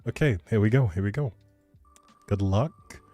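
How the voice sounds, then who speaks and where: A man's voice: fairly low pitch, normal speed, mellow, faint music behind. A man hosting a livestream in a chatty, rambling, informal way, as if talking casually with viewers. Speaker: livestream host. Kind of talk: casual livestream chat, giveaway announcing.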